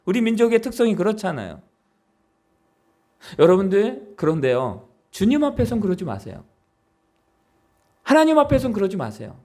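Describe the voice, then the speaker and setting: A man's voice: high voice, sing-song, normal speed, pauses often, a little mellow. A man preaching a Sunday sermon as pastor, pleading and emphatic, often asking his congregation questions. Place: church.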